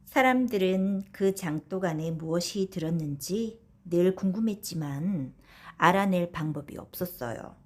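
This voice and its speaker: Soft-voiced woman telling a bedtime folktale. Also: fairly low pitch. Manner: soft storytelling tone addressed to children. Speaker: audiobook narrator. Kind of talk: gentle bedtime folktale narration.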